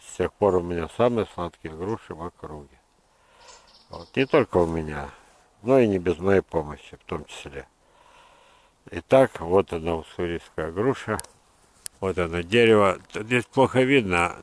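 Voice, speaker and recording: An older man with a deep voice talks like a seasoned gardener explaining his orchard. He speaks without a script, halting and digressing as he gives firm opinions. The sound is dry and open, recorded outdoors. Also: a little mellow, no echo. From Russia. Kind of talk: unscripted instructional monologue.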